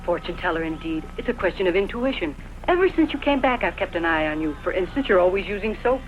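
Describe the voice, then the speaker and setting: Woman playing a quick-talking, shrewd gypsy queen. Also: fairly low pitch, expressive, muffled recording, soft background music, close to an everyday voice. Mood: wry, probing. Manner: wry, probing, haggling. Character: shrewd, proud gypsy queen and mother of grown son. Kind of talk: dubbed costume-film acting.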